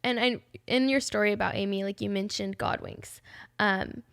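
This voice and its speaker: A woman's voice: mid-range voice, steady tone, moderate pace, gravelly, a bit bright. Chatty young woman podcast host. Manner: chatty, many "like" fillers, emotional. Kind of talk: casual heartfelt chat.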